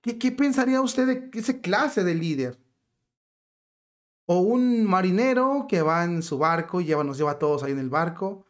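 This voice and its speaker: A man with a fairly high voice gives indignant religious commentary. He reads a news report, then turns emphatic and outraged, pressing his point with sharp rhetorical questions. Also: lively intonation, moderate pace.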